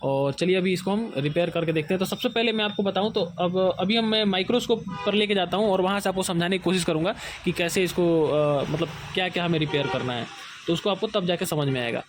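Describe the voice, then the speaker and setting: A man from India with a high voice talks through a hands-on phone repair, step by step. He keeps telling the viewer to look closely at each point. Faint room noise sits under the recording. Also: fast. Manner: explains step by step, often says "look here carefully". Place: repair workbench with a microscope.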